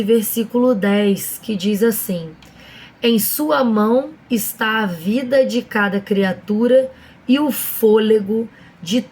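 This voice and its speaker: A hoarse woman hosting a casual devotional talk, addressing viewers directly with frequent fillers and reading Bible verses slowly and deliberately. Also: mid-range voice, darkish tone, slight background noise, low-quality recording. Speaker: online devotional host.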